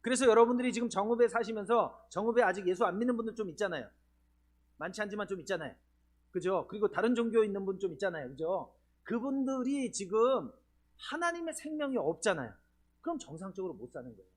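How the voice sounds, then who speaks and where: A man preaches a sermon at a church seminar. His voice sits high and swings widely in pitch. He keeps putting rhetorical questions to the people in the pews. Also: animated, quick pace. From Chungcheong region, Korea. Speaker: pastor. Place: church sanctuary.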